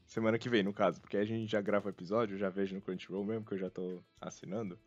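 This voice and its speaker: A Brazilian podcast host chats casually and humorously about anime, poking fun at himself with wry humor. His voice sits on the low side with little pitch movement, and he talks fast. The recording sounds dull and lo-fi, with music playing behind him.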